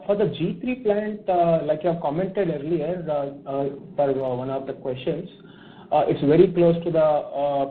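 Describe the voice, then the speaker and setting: Guy on a conference call, phone held away so he sounds muffled and tinny, lots of uhs, fairly high voice. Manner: hesitant, with many fillers and restarts. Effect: muffled phone line, as if the phone is held away from the mouth. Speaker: analyst caller on an earnings call.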